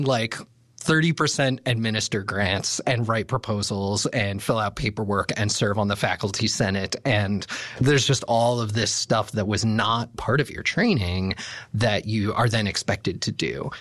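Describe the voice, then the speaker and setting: Male podcast host, low voice, dry close recording; thoughtful and explanatory. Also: unhurried, fairly bright tone, no echo. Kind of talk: casual discussion.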